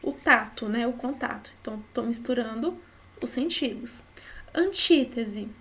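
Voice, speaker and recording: A woman's voice: on the high side, expressive, measured pace, fairly bright tone. A woman with a Brazilian Portuguese accent teaching a study lesson, explaining patiently and often checking in with short tag questions.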